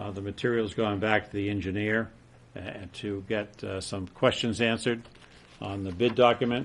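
A man's fairly low, monotone, flat delivery at a moderate pace. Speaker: town manager. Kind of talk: town board meeting report.

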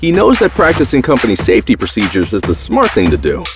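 A man's voice with music in the background. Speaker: voice actor. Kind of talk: safety training explainer. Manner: engaging, confident, approachable.

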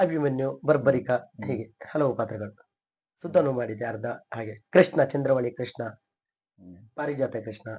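This man speaks at a medium pitch with ordinary pitch variation and big swings in loudness. His tone is dark and mellow, somewhat breathy. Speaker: Yakshagana artist. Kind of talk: interview.

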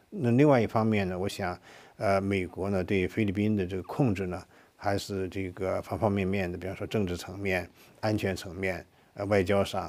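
This man's fairly low voice moves at a moderate pace, his intonation fairly even. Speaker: international affairs researcher; guest commentator. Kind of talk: TV interview. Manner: hesitant, many fillers. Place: studio. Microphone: lapel.

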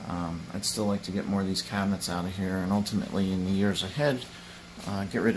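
A man talks with a fairly low pitch. Noticeable background noise can be heard. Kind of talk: casual vlog chat. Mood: pleased, lightly humorous. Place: office. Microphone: phone near.

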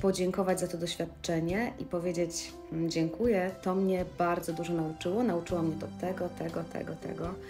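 Clear music plays in the background as a woman speaks at a moderate pace. Her voice is fairly low, with fairly even intonation. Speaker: voice coach and mentor. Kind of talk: coaching talk to camera on emotions and trauma. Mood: warm, gentle, encouraging. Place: home room. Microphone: phone near.

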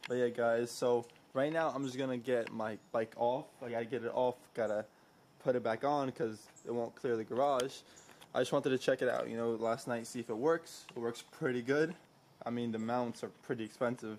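Delivered at a fairly quick pace with fairly even intonation, the speech has light background noise behind it. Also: man. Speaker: vlogger. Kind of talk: casual vlog chat. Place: garage. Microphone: phone near.

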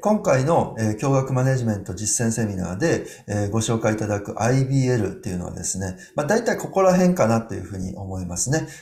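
Lively intonation runs with hardly any pauses through audible room echo. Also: man. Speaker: education researcher. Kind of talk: lecture. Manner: frequent fillers, halting; polite formal. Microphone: webcam.

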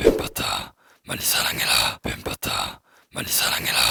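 Using a put-on character voice, a man speaks at a moderate pace with a raspy, extremely high pitch. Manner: cute, coy, playful.

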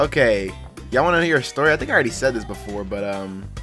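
A man talking at a very fast pace, fairly low in pitch, with faint music in the background. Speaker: game streamer. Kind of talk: casual gaming commentary. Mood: playful, animated storytelling. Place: home room. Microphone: headset.

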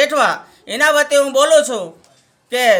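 A man speaks in a raised, projected voice. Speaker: village council representative. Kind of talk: political statement to camera.

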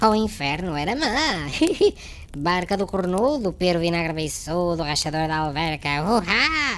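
A woman at a fairly low pitch and moderate pace, over clear background noise. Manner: abusive, manic, rattling insults.

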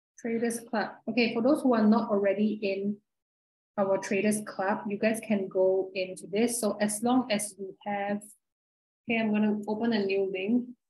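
A woman speaks in a monotone, flat intonation with audible room echo. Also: moderate pace. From Malaysia. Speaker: full-time trader and webinar presenter. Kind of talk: live trading webinar tutorial. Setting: video call webinar. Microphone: webcam.

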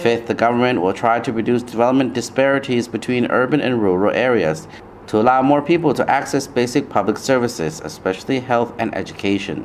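A man's medium-pitched voice at a very fast pace, with ordinary pitch variation and very even loudness, over noticeable background noise. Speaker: news presenter. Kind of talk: formal news reading. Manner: formal, steady, measured newsreader delivery.

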